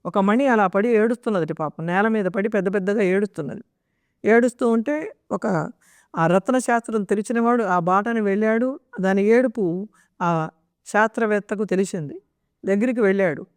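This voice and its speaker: Woman devotional speaker, unhurried storyteller, smooth resonant voice, dry close sound. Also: mid-range voice, no echo. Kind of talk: religious discourse with storytelling.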